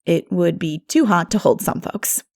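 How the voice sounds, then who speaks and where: A woman's voice: fairly low pitch, normal speed, a little mellow, close to an everyday voice. A woman reading an audiobook as a sage, practical girl, speaking in a plain, decided manner. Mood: matter-of-fact. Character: Jane, sage, practical, matter-of-fact girl. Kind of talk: audiobook character voice.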